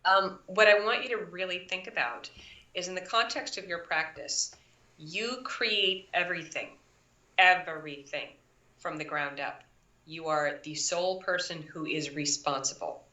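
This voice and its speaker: A woman's voice: on the low side, a little slow, sharp tone. A woman chiropractor on a live video call, coaching new practitioners in an emphatic way and acting out quotes. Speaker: chiropractor guest. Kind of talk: live online interview. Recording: echoey, distant, dull audio.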